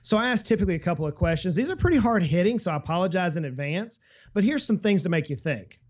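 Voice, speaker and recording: A man on a business podcast, explaining financial planning with lively travel analogies and imagined client quotes. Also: sits high, fast talker, dull audio. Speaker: financial advisor guest. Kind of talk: casual business podcast talk.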